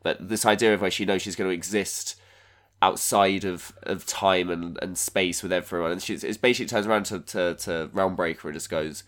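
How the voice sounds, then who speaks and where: A man's voice: sits low, steady tone, a little fast, fairly bright tone. A man co-hosting a casual podcast chat, thinking aloud with restarts and the odd swear. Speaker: podcast co-host.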